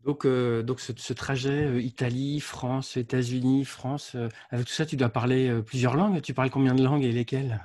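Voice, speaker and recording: A man's voice: mid-range voice, steady tone, a little mellow, no echo. A man interviewing a guest, asking long questions with hesitations and repeated words. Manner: halting, repeats words while framing questions.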